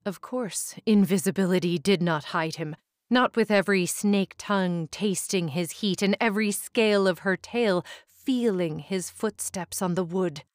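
A woman reading a fantasy short story aloud in a slow, measured narration. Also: medium pitch, no echo, clean studio sound. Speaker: story reader.

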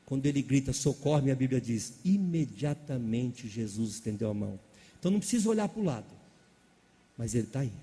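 Preacher with a mellow voice in a reverberant hall. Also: male voice, mid-range voice, a little fast. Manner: animated preaching, calls out questions to the congregation. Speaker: pastor. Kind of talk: sermon.

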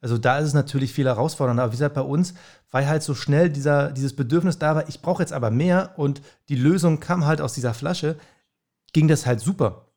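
A man's voice: a little high, fairly quick, darkish tone. A man co-hosting a casual chat who talks hesitantly and searches for his words. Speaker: podcast co-host.

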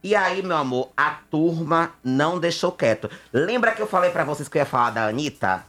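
A man's voice: on the high side, animated, fairly quick, fairly bright tone. Guy doing radio gossip, campy and chummy, bit of music behind. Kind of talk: chatty celebrity gossip segment. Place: radio studio.

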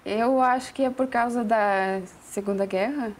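A fashion designer from Russia's Ural Mountains appears as a guest in a TV studio, answering interview questions in a second language. Her voice is on the high side and unhurried, her Russian accent clear, and she searches for words as she talks.

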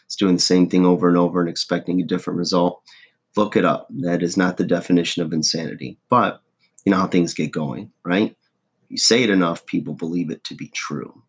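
A hoarse, husky man in his forties giving a casual, folksy motivational monologue as a host. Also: low voice, steady tone, a little fast. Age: 40s. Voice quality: husky, rough. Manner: folksy, self-deprecating, checks in with "okay?" and "right?". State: hoarse voice, throat-clearing. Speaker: host of a motivational video podcast.

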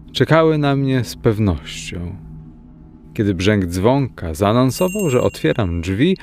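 A man narrating a first-person story as an audiobook, in a measured storytelling manner. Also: medium pitch, a little mellow. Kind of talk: audiobook reading.

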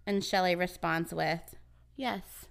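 A woman co-hosting a podcast, walking her friend through a true crime story in a loose, chatty way. Her voice is smooth and clean, pitched a little low, and she keeps dropping in fillers as she talks. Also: a little slow. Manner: relaxed, uses many fillers, acts out quotes. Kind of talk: casual storytelling chat.

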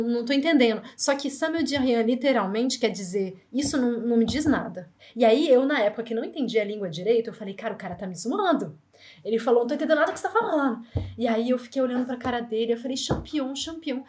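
A Brazilian woman in her thirties with a Brazilian Portuguese accent, telling lively anecdotes fast in an interview. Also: on the high side. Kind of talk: casual storytelling.

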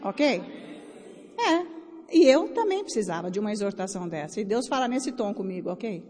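A woman's voice: medium pitch, very animated, moderate pace, mellow. A Brazilian woman preaching a sermon to a conference crowd, blunt and exhorting. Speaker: preacher raising offerings at a conference. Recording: long hall reverb.

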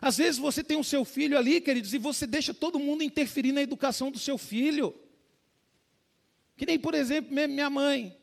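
High-voiced pastor preaching casually. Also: male voice, brisk, creaky. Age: adult with a young child. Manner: keeps calling the congregation "dear ones", conversational preaching. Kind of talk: sermon.

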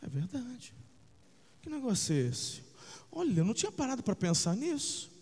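A man pastor preaching a sermon, swinging between shouts and low, intense passages, calling the listeners "brother" and checking that they follow. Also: wildly swooping pitch, moderate pace, husky, long reverb tail.

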